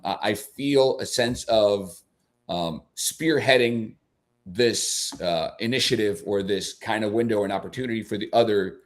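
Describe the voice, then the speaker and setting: Bilingual man, Spanish first language, halting. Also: on the low side. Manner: halting, many restarts and fillers. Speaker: soccer broadcaster, guest. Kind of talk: casual radio chat.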